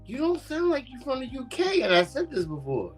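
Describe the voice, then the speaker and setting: Lively, expressive woman panelist. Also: sits high, a little fast, soft background music. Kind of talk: casual group chat on a stream.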